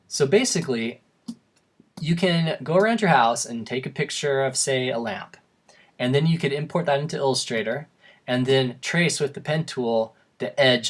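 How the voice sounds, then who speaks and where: A young man narrating a software tutorial in a casual, rambling way with self-deprecating asides, his voice wearing thin and going hoarse. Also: medium pitch. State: voice going hoarse from repeated takes. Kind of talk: screen-recorded tutorial narration.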